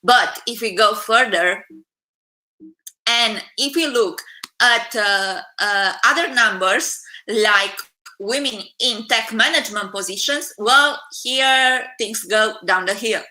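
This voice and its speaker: Bright-voiced woman in her thirties, echoey. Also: a little high. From Romania. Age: 30s. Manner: earnest, many filler pauses. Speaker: keynote speaker. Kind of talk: conference talk.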